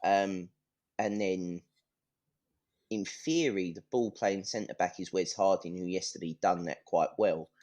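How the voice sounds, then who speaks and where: A man's voice: sits low, unhurried, a little mellow. A man talking football as a fan on a podcast, blunt and full of swearing, in a ranting casual style.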